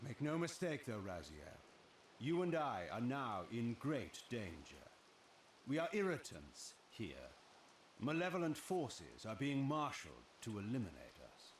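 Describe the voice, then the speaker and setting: An actor playing a scheming ancient vampire lord in a video game, with a grave, deliberate, theatrical delivery. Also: male voice, medium pitch, wildly swooping pitch, roomy sound, a little hiss or hum. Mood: grave warning. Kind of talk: dramatic video game voice acting.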